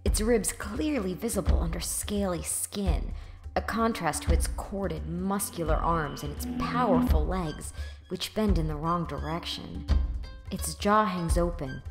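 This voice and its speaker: A woman's voice: fairly low pitch, unhurried, music in the background. A young woman playing a sardonic, weary twenty-something who narrates an audio drama in a dry, conversational way. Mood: descriptive, uneasy. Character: wry, weary, sarcastic 24-year-old woman narrator. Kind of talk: first-person audio drama narration and dialogue.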